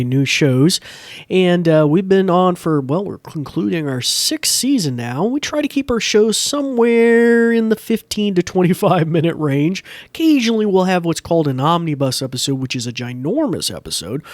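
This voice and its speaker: A man's voice: on the high side, no room sound. An American man presenting a podcast in a casual, chatty way, enthusiastic, folksy and rambling. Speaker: podcast host. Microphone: close dry podcast microphone.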